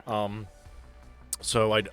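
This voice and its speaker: A man's voice: fairly low pitch, flat delivery, slow, fairly bright tone. A man working as game master of a role-playing podcast, explaining and narrating casually with joking, sweary asides, with music behind him.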